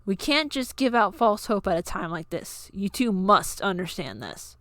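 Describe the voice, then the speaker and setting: A woman's voice: medium pitch, very animated, normal speed, a bit bright, no room sound, studio quality. A woman voicing a stern, impatient young man who gives clipped orders in a story reading. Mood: firm.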